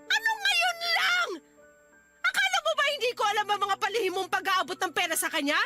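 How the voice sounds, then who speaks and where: A fired-up wife scolding her husband, radio drama, high bright voice. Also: animated, racing, soft background music, full character voice. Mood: angry. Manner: heated, scolding. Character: angry young wife, sharp and confrontational.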